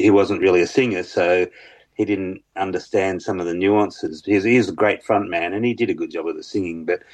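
A man with a very low bass voice, talking hesitantly as a musician guest in an interview, with many fillers and restarts. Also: a little mellow. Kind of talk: casual interview chat.

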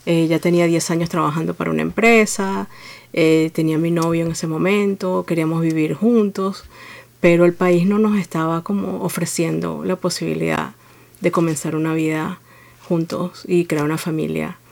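Woman, Venezuelan accent, interview guest, reflective, creaky gravelly voice. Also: on the low side, moderate pace. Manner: reflective, steady, frequent "eh" fillers. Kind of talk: interview storytelling.

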